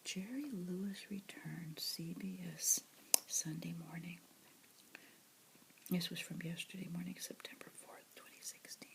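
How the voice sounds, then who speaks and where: A woman reading news articles aloud in a soft ASMR whisper, adding her own asides. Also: lowish voice, steady tone, measured pace, vocal fry, low-quality recording.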